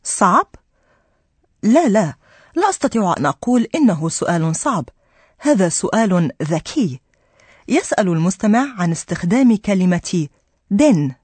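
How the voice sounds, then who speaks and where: Lively husky woman language teacher. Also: medium pitch, moderate pace, long pauses, dry recording. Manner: patient, clear explanations addressed to listeners. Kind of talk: explaining a language lesson on radio.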